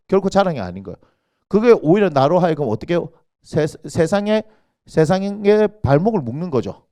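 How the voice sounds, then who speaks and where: A man's voice: on the high side, darkish tone. A male senior pastor, preaching a sermon in a church and quizzing the congregation with rhetorical questions. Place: church sanctuary.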